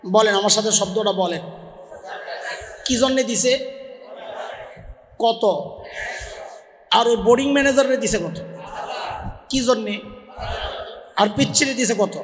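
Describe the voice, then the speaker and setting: A man with a delivers a fiery call-and-response sermon in a strikingly high voice. He hammers the crowd with repeated questions and shouts. The sound is roomy, with a long reverberating tail like an outdoor public address system. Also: a little slow, long pauses. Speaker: preacher.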